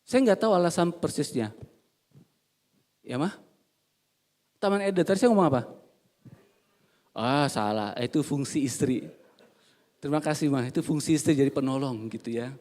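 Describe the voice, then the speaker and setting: A male pastor preaching a sermon in a church service, humorous and animated, quizzing the congregation and swinging from quiet asides to loud emphatic bursts. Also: mid-range voice, moderate pace, pauses often.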